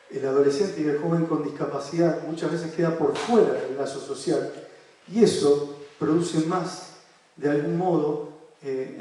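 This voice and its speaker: Animated Argentine man, echoey and distant. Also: on the high side. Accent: Argentine Spanish. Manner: animated storyteller who asks the audience rhetorical questions. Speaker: psychoanalyst lecturing in a seminar. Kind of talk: seminar talk with case stories. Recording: echoey room, voice from far off the mic.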